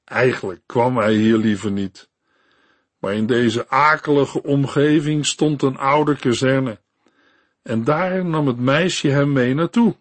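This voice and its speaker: A man narrating a Christian story in a calm, measured reading voice. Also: mid-range voice, no echo. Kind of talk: read-aloud Christian story.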